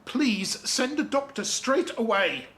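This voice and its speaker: A man's voice: very high voice, big pitch swings, takes it slowly, bright, forceful tone, full character voice. An actor playing a distraught, clumsy man in a TV drama, crying on the phone as he pleads in panic. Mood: panicked, tearful. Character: distraught, clumsy brother-in-law begging for a doctor. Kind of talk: naturalistic TV drama acting.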